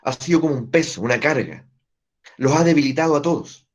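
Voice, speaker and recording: A man teaching family constellations to a group, explaining step by step and often checking in with his listeners through quick tag questions. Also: on the high side, expressive. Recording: dull lo-fi recording.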